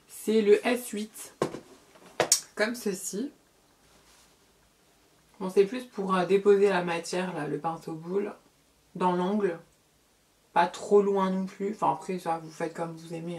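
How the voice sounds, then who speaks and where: A woman's voice: medium pitch, a little hiss or hum. Chatty middle-aged woman doing makeup tutorial. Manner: chatty, repeats words, fillers. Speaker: beauty vlogger.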